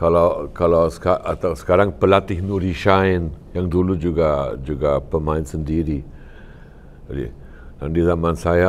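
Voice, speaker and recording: A man's very deep, low voice at a fairly slow pace. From Germany, Ruhr area. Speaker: Indonesianist scholar. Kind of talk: casual interview chat.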